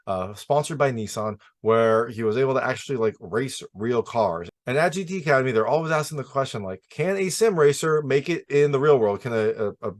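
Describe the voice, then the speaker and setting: A man's voice: medium pitch, animated, brisk, few pauses. Casual man giving an emphatic movie review. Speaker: film reviewer and host.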